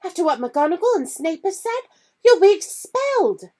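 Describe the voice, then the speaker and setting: Woman voicing a anxious schoolgirl, very high, pleading, earnest, storybook reading. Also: big pitch swings, normal speed, mellow.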